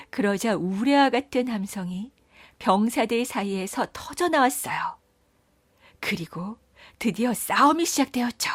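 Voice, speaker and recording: Woman storyteller for children's folktales, gentle and measured, dry studio sound. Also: medium pitch, no echo. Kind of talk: storybook narration.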